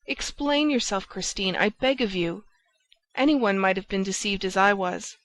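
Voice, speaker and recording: A woman's voice: medium pitch, steady tone, normal speed, fairly bright tone, close to an everyday voice, rough recording. A woman reading the lines of a jealous young man, with impassioned, sarcastic outbursts. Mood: pleading.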